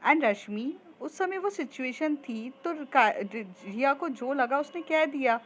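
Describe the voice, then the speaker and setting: A woman's voice: high voice, animated, takes it slowly, a bit bright, dull audio. A woman narrating a romance story in a casual, conversational way for a storytelling podcast.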